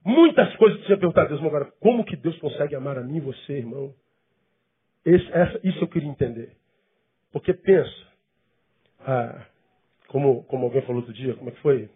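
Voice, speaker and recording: A man's voice: medium pitch, lively intonation, brisk, long pauses, slightly rough, phone-quality sound. A male pastor giving a conversational sermon full of rhetorical questions.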